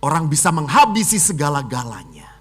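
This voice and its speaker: A middle-aged man, a Catholic priest, giving a lively homily, dramatic and joking, dropping from loud exclamations to hushed whispers. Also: on the high side, a little fast, breathy edge.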